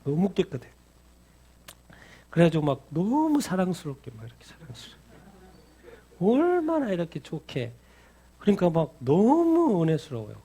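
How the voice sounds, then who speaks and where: Pastor guy preaching, husky warm voice, keeps asking questions then answering them himself. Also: high voice, wildly swooping pitch, normal speed, pauses often. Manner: repeats phrases for emphasis. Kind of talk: sermon.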